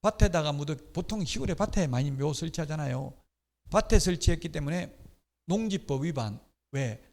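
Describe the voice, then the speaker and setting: A middle-aged man gives an exam-prep lecture on real estate law, explaining points clearly and slipping in casual personal asides. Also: a little high, expressive, moderate pace, darkish tone. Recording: long hall reverb.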